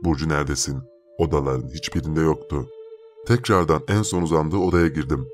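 A man with an extremely deep voice narrates a first-person horror tale. His telling is steady and measured. Faint music sits quietly behind him.

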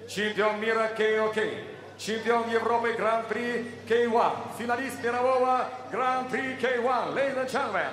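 High, booming male arena announcer in echoing hall. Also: steady tone, fairly bright tone. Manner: booming, drawn-out showman delivery. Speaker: ring announcer. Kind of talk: arena announcer introducing fighters. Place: boxing ring in a large indoor arena. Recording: echoey arena hall with faint noise.

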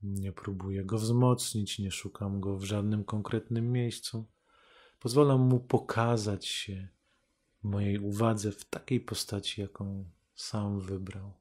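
A man leading a guided meditation as a teacher, calm and unhurried, speaking in measured phrases with long pauses. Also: on the low side.

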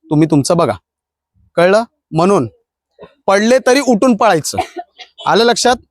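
A man coaching a group of women runners outdoors, speaking firmly as he lectures them on how to run, shout and recover. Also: sits high, animated, a little slow, dry recording, studio quality. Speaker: police recruitment fitness coach.

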